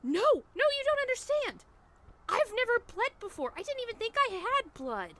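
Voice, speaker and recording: A woman's voice: very high voice, sing-song, normal speed, fairly bright tone, a little hiss or hum, exaggerated voice. A woman playing a frantic, brash, rambling newcomer stranded in hell in a comedic audio drama. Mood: indignant, alarmed.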